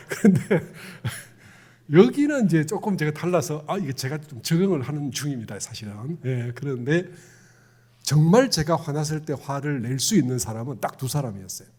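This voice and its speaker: In a conversational sermon, a middle-aged Won Buddhist minister with a Gyeongsang accent, from that province in Korea, addresses questions to the congregation. His fairly high voice is expressive and a little mellow, at a moderate pace.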